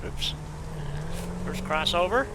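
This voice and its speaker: A man's voice: high-pitched, lively intonation, slow pace, background noise. A man chatting casually with a viewer while playing a game on stream, rambling in a folksy way and leaning on "you know.".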